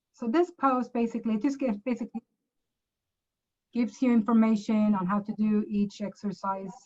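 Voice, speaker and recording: On a lo-fi recording, a Swedish woman with a higher-leaning voice casually guides viewers through apps on her shared screen. Her manner is loose and talkative, and she corrects herself as she goes.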